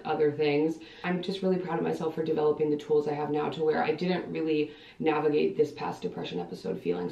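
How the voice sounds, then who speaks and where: A chatty woman in her late twenties, originally from Ohio, rambles casually to her vlog audience with a gravelly edge of vocal fry. She is recorded in a small bathroom, and the camera mic sits a few feet back, so her voice comes through roomy and a little dull. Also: deep voice, mellow. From Ohio, United States. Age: 20s. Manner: chatty and rambling, frequent filler "like". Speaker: vlogger. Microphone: camera mic a few feet away. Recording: echoey bathroom, distant dull camera audio.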